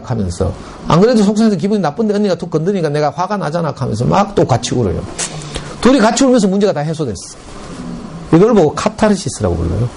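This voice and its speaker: A middle-aged man with a Gyeongsang Korean accent lectures a room of parents at a school, telling stories with lively, dialect-colored asides. His voice sits fairly high and swings widely in pitch, with a mellow, warm tone. A faint room hum runs behind him. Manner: lively storytelling with dialect and acted quotes.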